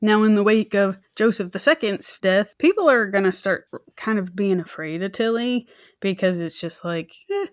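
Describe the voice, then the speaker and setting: A woman's voice: mid-range voice, animated, moderate pace, dry recording. Casual woman podcaster, close dry sound. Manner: informal, colloquial, joking asides and mimicked quotes. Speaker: true crime podcast co-host. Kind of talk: casual conversational storytelling.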